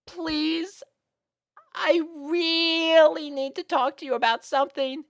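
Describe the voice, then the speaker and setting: A woman voicing a shy, nervous young girl pony in a fan fiction audio drama, with hesitant, halting speech. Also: sits high, fairly even intonation. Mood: pleading. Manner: hesitant, halting, full of ums.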